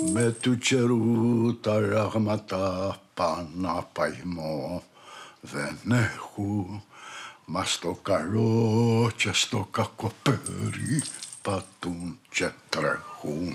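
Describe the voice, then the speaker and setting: A man speaks at a very slow pace with fairly low pitch and ordinary pitch variation. Noticeable background noise runs underneath. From Crete, Greece. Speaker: musician, lyre player. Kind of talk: interview answer.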